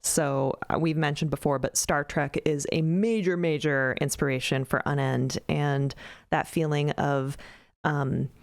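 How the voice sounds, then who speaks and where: Low-voiced woman, dry close sound. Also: steady tone, measured pace, no echo. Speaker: illustrator and podcast co-creator. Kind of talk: casual roundtable chat.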